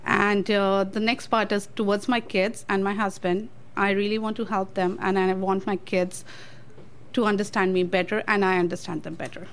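An earnest woman speaking as a guest on an interview show. She talks at a mid pitch and fills her sentences with a few likes and uhs. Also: little pitch movement, moderate pace.

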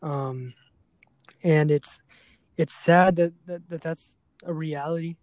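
A man hosting a serious podcast conversation, speaking earnestly and haltingly, often repeating words as he goes. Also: on the high side, steady tone, a little mellow, no room sound. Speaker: podcast host.

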